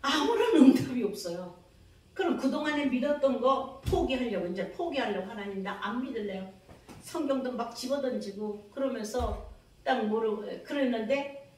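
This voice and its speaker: High-voiced woman pastor in an echoey hall. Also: a little mellow. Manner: dramatic, acts out her own prayers and God's replies; calls for amens from the congregation. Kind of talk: revival sermon. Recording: very echoey hall, mic from a distance.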